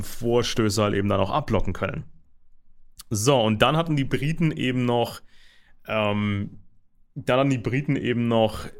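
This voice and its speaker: A man talking in a casual, rambling monologue, full of fillers and restarts. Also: lowish voice.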